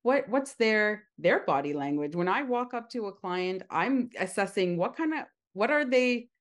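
A woman co-hosting a casual podcast, talking in a loud, lively way. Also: mid-range voice, normal speed. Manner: loud and lively, says she has a loud voice. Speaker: podcast co-host, esthetician.

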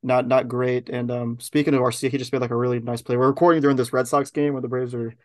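A man's voice: medium pitch, fast talker. Man hosting a casual sports podcast. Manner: relaxed, rambling with many fillers. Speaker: podcast host.

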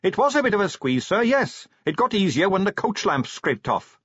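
A man's voice: sits high, big pitch swings, normal speed, slightly rough, no room sound, highs cut off, pitched above the performer's own voice, full character voice. A man voicing an earnest, unflappable young male watchman from a storybook, calling out politely and dutifully. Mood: earnest, matter-of-fact. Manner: dutiful, respectful, calling out loudly.

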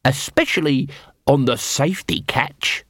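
A man's voice: medium pitch, a little slow, fairly bright tone, no room sound, clean studio sound. A man voicing a scrawny, cocky watch corporal in a storybook, swaggering and snappy with mock-official menace. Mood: sly menace.

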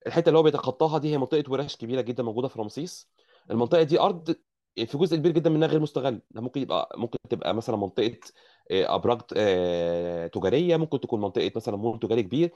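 A man's voice: medium pitch, animated, very fast, warm tone. A man with an Egyptian Arabic accent, a guest engineer explaining at length in an interview, often restarting his words. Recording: muffled lo-fi audio.

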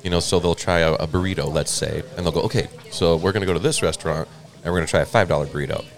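A man's voice: low voice, rapid-fire. A man casually chatting and joking while eating a burger at a restaurant. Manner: joking, playful. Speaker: co-host of a food review show.

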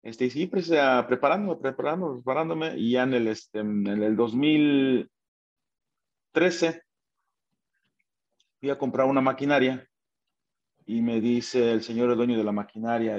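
Mexican man, interview guest, lively anecdote teller who voices the people in his story, slightly muffled recording. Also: mid-range voice, measured pace, pauses often. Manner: animated, acts out quoted dialogue, many fillers and restarts.

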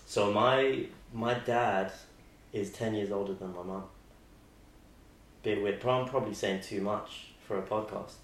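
A young man hosting a podcast, his voice very deep and held to a flat, narrow range. He rambles in a friendly way, restarting his sentences often. The recording has a roomy echo with faint noise behind it. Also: measured pace. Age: 20s. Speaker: podcast host. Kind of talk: casual interview chat.

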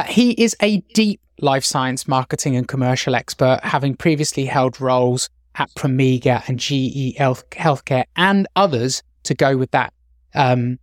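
A man's voice: medium pitch, no echo. A male podcast host introduces his guest and asks a first question, friendly and loose, with some fillers. His voice sits in a middle range. The sound is close and dry. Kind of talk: conversational interview.

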